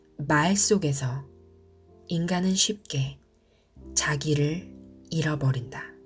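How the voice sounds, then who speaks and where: A woman's very deep, low voice in a soothing tone, with ordinary pitch variation, a very slow pace and long, frequent pauses, over music in the background. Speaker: book reading channel host and narrator. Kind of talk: quiet book reading for sleep. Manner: soft, slow, soothing.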